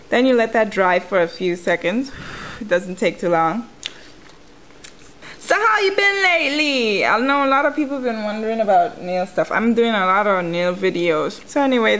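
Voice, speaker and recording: A woman chews gum as she gives a casual, conversational nail tutorial, walking through it step by step. Her voice is mid-range, and the recording is rough.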